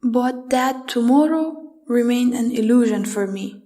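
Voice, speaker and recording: A young woman from Afghanistan, a student, narrating her own story in a slow, measured and heartfelt way. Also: fairly high pitch, dark tone. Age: young adult. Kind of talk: reflective personal narration.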